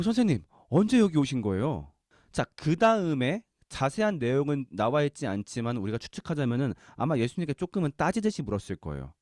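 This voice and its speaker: A man's voice: medium pitch, a little mellow, no echo, clean studio sound. A man teaching a Bible lesson in a conversational way, asking the listeners questions and acting out quotes. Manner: conversational, acts out quotes, asks the audience questions. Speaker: Bible study lecturer.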